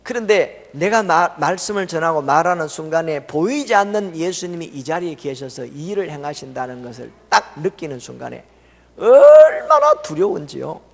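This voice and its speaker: A middle-aged man preaching a revival sermon. He tells the story with laughter and swings from loud exclamations to hushed tones. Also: fairly high pitch, fairly quick, vocal fry, hardly any pauses. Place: church sanctuary. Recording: reverberant church sanctuary.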